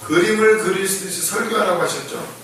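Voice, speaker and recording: A man preaching a conversational sermon to a congregation, acting out the blind men's shouting and laughing often as he tells the story. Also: high-pitched, brisk, slight background noise. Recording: echoey room, voice from far off the mic.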